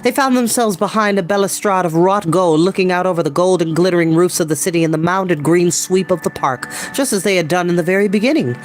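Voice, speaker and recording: An expressive, theatrical storytelling host who reads books aloud and chats casually in between. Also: medium pitch, fast talker, hardly any pauses. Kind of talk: animated storybook reading with chatty asides. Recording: background ambient music. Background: ambient music.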